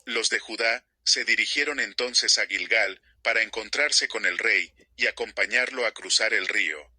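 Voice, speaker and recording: A man reads scripture in a steady, measured way, his low voice sharp and husky. The sound is dry and close, with no room around it. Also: dry recording. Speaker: Bible reader. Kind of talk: scripture reading.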